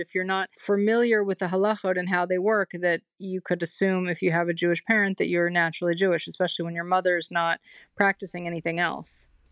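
A woman with an American accent and a normal speaking voice talks at a fairly quick pace in a medium pitch with fairly even intonation, in a dry, close sound with no echo. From US (Iowa, Miami). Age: 40s. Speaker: hypnosis therapist and writer. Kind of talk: interview, personal story.

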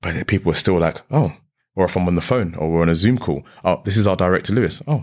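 Very deep, low male voice at a very fast pace, lively intonation, on a very clean recording with a silent background. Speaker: sales director. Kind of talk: casual interview chat.

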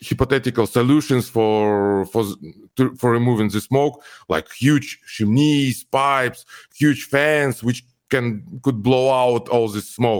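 A man's very slow speech with a Russian accent and ordinary pitch variation, in a very clean recording with a silent background. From Kazakhstan, Almaty. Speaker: e-bike company founder. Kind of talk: interview. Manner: halting.

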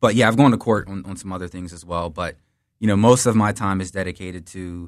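Against a quiet background, a man with an American accent speaks at a fairly quick pace. His very deep, low voice keeps a fairly even intonation. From Philadelphia. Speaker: city government lawyer. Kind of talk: interview. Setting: studio.

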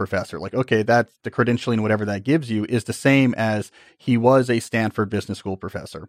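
A man uses an ordinary speaking voice at a medium pitch with ordinary pitch variation. The recording is very clean, with a silent background and a dry, close sound with no echo. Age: 40s. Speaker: computer science professor and author. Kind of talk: casual chat.

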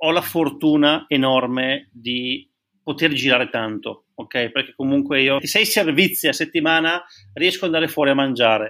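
The voice has a bright, sharp tone with ordinary pitch variation at a moderate pace. The recording is very clean, with a silent background. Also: man, fairly high pitch for a man. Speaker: restaurant owner. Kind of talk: interview.

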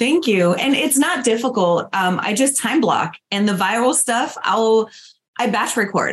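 Lively intonation carries a normal speaking voice at a fairly slow pace. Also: woman, fairly high pitch for a woman. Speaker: real estate agent. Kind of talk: casual chat.

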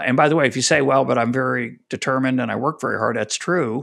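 Recorded very cleanly against a silent background, a man with an American accent shows vocal fry and ordinary pitch variation. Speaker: economist and college president. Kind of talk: interview conversation. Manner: hesitant, frequent fillers and self-corrections.

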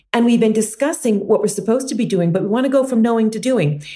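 A woman with an American accent has a dark, mellow tone, a somewhat breathy sound and a fairly high pitch. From United States. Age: 50s. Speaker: wellness coach and author. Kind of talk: interview.

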